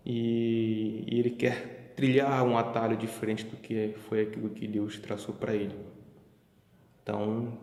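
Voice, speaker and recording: A young man from Brazil presents a Sabbath school lesson in a calm, earnest way. His pitch is ordinary for a man. He sounds as if he is in a large hall with a long, echoing reverb. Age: young adult.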